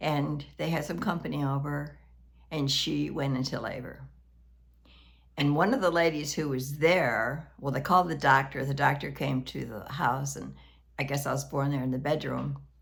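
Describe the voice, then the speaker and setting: A woman with an American accent speaks at a moderate pace, with audible room echo around her. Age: 80s+. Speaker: vlogger. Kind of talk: personal storytelling. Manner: unscripted, conversational.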